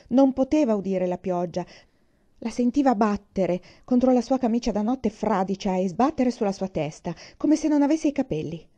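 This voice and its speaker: Woman reading a storybook in a dark tone. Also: medium pitch, dull audio. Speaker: narrator. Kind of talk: storybook narration.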